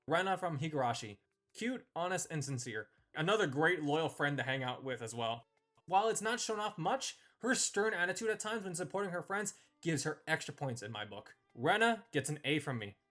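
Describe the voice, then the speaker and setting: A man's voice: fairly high pitch, sing-song, normal speed, a bit bright, soft background music. A man hosting a casual ranked-list review, giving opinionated commentary on characters.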